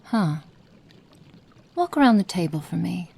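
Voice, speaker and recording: A cruel, cold witch, as a woman plays her in an ASMR roleplay, slow and menacing. Her voice sits a little low and she draws every word out. She slips into hushed whispers between threats. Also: very animated, creaky, husky, heavily acted. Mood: clinical, curious. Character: cruel, cold female witch experimenting on a captive.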